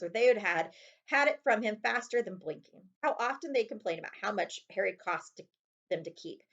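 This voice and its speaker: A woman's voice: medium pitch, fairly bright tone. Woman reading a storybook aloud, slightly muffled. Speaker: librarian reading a chapter book aloud. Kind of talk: storybook narration, read aloud.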